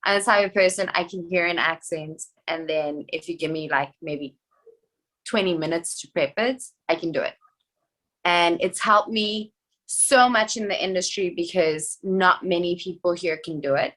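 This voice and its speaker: A young adult woman from South Africa, an actress talking in a casual podcast chat, chatty and animated with quick asides. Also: lowish voice, rough recording. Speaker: actress guest.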